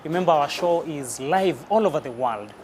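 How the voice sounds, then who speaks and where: A man's voice: fairly high pitch, expressive, normal speed, a little mellow, slight background noise. A man with a Kenyan accent hosting a live talk show, with a formal, polished presenter's delivery.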